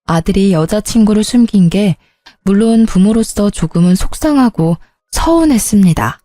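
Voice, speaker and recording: A woman's voice: medium pitch, dark tone, dry recording. A middle-aged woman narrating her own family story in the first person, earnest and confessional. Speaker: storyteller mother.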